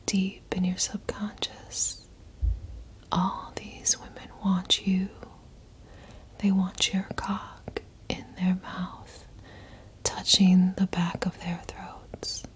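A woman whispering in a slow, hushed, intimate way, performing a guided ASMR hypnosis roleplay. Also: mid-range voice. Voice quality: breathy whisper. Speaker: audio performer.

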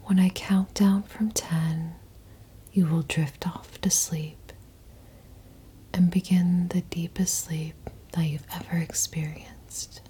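A woman whispers throughout, her voice airy and breathy with almost no tone behind it. She speaks very slowly and keeps her pitch low and nearly flat. Her sound is soft and dark, suited to a hushed ASMR roleplay. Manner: slow, hushed, intimate whispering. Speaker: audio performer.

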